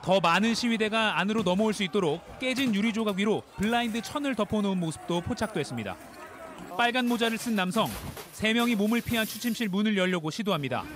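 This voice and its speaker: Man narrating a news report over street noise. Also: sits high. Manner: steady, formal, descriptive.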